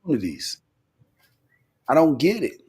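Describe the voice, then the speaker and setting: Nebraska-raised man, blunt and fed up, a touch high-pitched, for talk radio. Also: sing-song, moderate pace, mellow, slightly rough. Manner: blunt, exasperated, opinionated. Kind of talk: casual radio chat.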